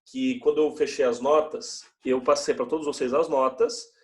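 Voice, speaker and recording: Young male teacher, chatty and loose with students; medium pitch, recorded in an echoey room with a distant mic. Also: steady tone, normal speed. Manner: conversational, chatty, frequent "né?". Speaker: religious education teacher. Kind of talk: classroom talk to students.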